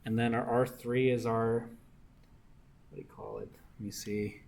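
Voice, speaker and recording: A young engineering discussion instructor works through circuit homework problems with his class, frequently asking "right?" to make sure students are following. His medium-pitched voice is a little mellow, with a flat delivery at normal speed.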